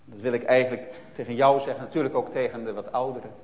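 A man preaching a sermon to children, emphatic and shifting between loud stresses and hushed asides, with many tag questions. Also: medium pitch, steady tone, fast talker. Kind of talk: sermon retelling a Bible story for children. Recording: reverberant, dull lo-fi church recording.

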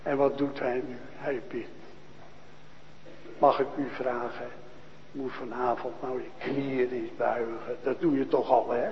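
A man preaching a sermon to a congregation, asking questions and answering them, dropping to a hush and then rising to loud proclaiming. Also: medium pitch, little pitch movement, big-room sound, lo-fi sound, a little hiss or hum. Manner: slow, questioning, swings from hushed to loud proclaiming. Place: church.

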